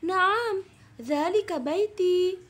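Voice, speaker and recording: A woman teacher reading the part of a polite, helpful schoolgirl in a textbook dialogue, slowly and carefully. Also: very high voice, pitched above the performer's own voice, heavily acted. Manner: slow, careful, bright read-aloud.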